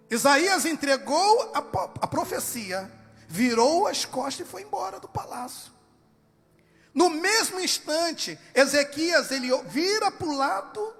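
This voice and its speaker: A man with a Brazilian accent preaching a sermon in a church, impassioned, swinging from soft to shouted. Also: extremely high pitch, creaky, in a large hall.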